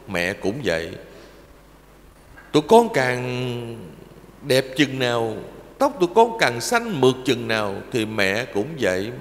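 An older man, a Buddhist monk, giving a fervent sermon that shifts into slow, sing-song recited verse and speaks to listeners as his children. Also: medium pitch. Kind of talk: emotional Dharma talk with recited verse. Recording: long reverb of a large hall.

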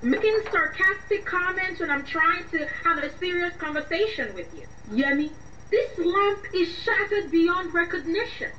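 Very high-pitched, exasperated young woman. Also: expressive, moderate pace, pushed and bright, exaggerated voice. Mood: tearful, accusing. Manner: emotional, reproachful. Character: exasperated, weary young woman fed up with her boyfriend. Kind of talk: radio drama acting. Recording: dull, noisy, echoey, distant mic.

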